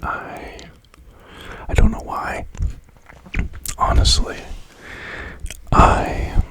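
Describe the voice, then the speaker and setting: A man whispering casual, rambling ASMR chat close to the microphone, breathy and hesitant, often repeating words and phrases for tingles. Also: very slow, fairly bright tone. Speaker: ASMR video creator.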